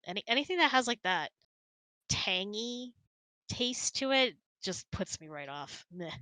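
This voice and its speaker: A woman's voice: mid-range voice, animated, unhurried, sharp tone, no room sound, low-quality recording. A woman host chatting casually and answering audience questions in a giggly, chatty way.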